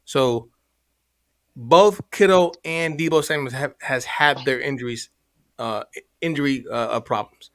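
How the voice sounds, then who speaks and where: A man's voice: medium pitch, a little slow, no echo, studio quality. A man calling into a sports talk show who rambles, stopping and restarting to finish his point. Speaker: caller. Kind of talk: casual sports chat.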